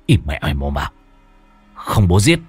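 A man voicing a brutal young male robber who threatens in a low, hissing voice. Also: very animated, moderate pace, husky, dry recording, faint music behind, exaggerated voice. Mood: menacing.

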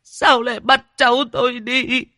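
A man voicing a grieving old grandmother who wails, sobs and curses in a shrill lament. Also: flat delivery, normal speed, pushed and bright, dry recording, clean studio sound. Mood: wailing grief. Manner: shrieking, sobbing lament with curses. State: crying.

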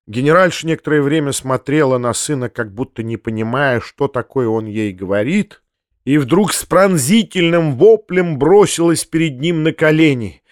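A man reading a classic novel aloud as an audiobook narrator, measured and even. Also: fairly high pitch, dry recording, studio quality. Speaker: audiobook reader. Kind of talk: scripted literary narration.

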